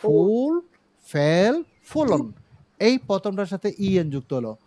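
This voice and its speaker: Explaining slowly and getting students to repeat words, a middle-aged Bangladeshi man with a Chittagong Bengali accent runs an online English pronunciation class from his own studio. He sounds high-pitched, very animated and mellow, and there's no room sound.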